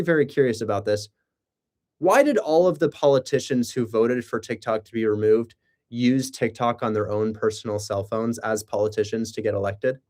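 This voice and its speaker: A man's voice: medium pitch, darkish tone. A man chatting casually on a livestream, rambling with sarcastic asides and rhetorical questions. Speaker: live streamer and real estate wholesaler.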